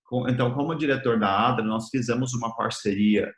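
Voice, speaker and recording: A man's voice: medium pitch, fairly quick. American guy preaching, not his first language, chatty sermon w/ lots of tag questions, echoey room. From United States. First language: English. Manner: conversational, often ends phrases with a tag question. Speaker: missionary preacher. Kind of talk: conversational sermon. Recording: roomy echo.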